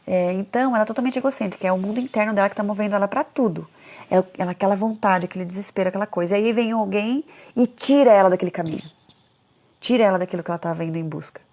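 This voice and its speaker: A woman talking casually to parents about children, animated, often acting out parents' complaints in a higher voice. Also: very fast. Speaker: parenting educator.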